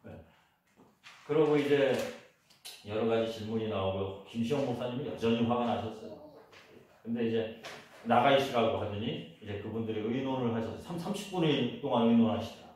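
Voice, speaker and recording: Korean pastor preaching in an echoey church. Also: male voice, medium pitch, moderate pace, darkish tone, slight background noise. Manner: storytelling, leading the congregation in repetition. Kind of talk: sermon. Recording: echoey church hall, voice from a distance.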